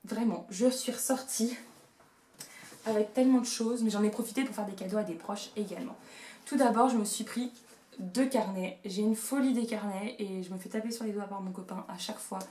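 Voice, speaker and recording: A beauty and haul vlogger in her twenties gushes through a shopping haul at home, chatty and full of playful asides. Her medium-pitched, mellow voice runs a little fast, and the recording carries echoey room sound plus a slight hiss or hum.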